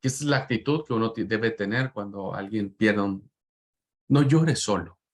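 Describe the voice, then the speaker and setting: A man's voice: on the low side, fairly quick. Fervent man teaching a Bible class. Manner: fervent, repeats words for emphasis, addresses listeners as brothers. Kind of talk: preachy Bible class lecture.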